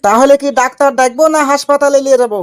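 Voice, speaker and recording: A woman's voice: high-pitched, fairly even intonation, very fast, close to an everyday voice. A woman voicing a maddeningly literal cartoon husband with a Rajshahi Bengali accent, innocently and persistently questioning. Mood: pestering, loud. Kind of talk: comic cartoon dialogue.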